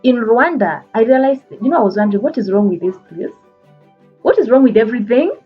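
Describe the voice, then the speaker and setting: Husky Kenyan woman giving a motivational talk. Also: on the high side, expressive, brisk, lo-fi sound, soft background music. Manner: earnest, repeats phrases for emphasis, frequent fillers. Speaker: life coach.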